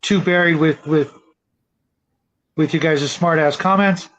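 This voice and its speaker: A man's voice: fairly high pitch, steady tone, a little slow, fairly bright tone, a little hiss or hum. A middle-aged man hosting a casual live-stream chat, talking in a rambling, hesitant way. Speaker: show host. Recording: dull, lo-fi audio.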